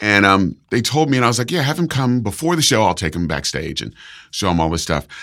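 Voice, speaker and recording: With a very fast pace and very wide pitch swings, a man speaks in a fairly low voice with a bright, sharp tone on a very clean recording with a silent background. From US mid-Atlantic, Bowie, Maryland. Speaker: actor. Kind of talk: casual chat.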